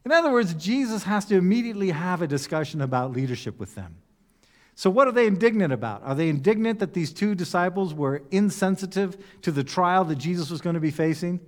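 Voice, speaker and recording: A man's voice: high voice, expressive, a little fast, big-room sound. A man preaching a conversational sermon, putting rhetorical questions to his listeners. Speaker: pastor.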